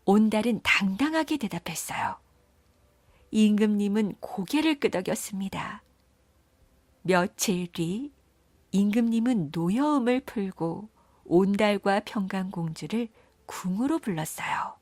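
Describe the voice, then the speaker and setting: Woman storyteller for children's folktales, gentle and measured, dry studio sound. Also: medium pitch, expressive, dry recording. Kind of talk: storybook narration.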